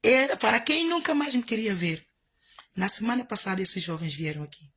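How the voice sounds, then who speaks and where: A woman's voice: mid-range voice, big pitch swings, moderate pace, fairly bright tone, a little hiss or hum. A woman pastor preaching, telling a story and repeating her points with emphasis. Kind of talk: storytelling sermon.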